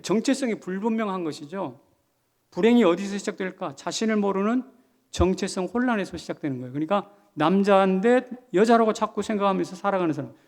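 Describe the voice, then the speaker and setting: A man's voice: high voice, brisk, a little mellow. A man, a senior pastor, preaching a sermon emphatically and putting questions to the congregation. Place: church sanctuary.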